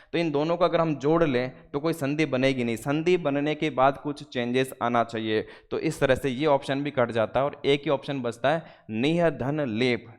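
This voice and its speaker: Male teacher, fairly high voice, methodical exam-prep explainer, slight hall reverb. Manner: explains step by step, slows to spell out word parts.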